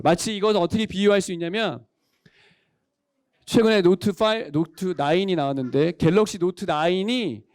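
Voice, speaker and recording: A man's voice: high-pitched, dry recording, clean studio sound. A male pastor preaching a sermon, quizzing the congregation and calling for amens. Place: church worship service.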